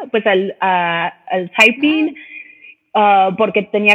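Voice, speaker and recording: A woman talks at a fairly high pitch. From San Francisco Bay Area, born in Jalisco, Mexico. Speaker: business consultant. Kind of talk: interview.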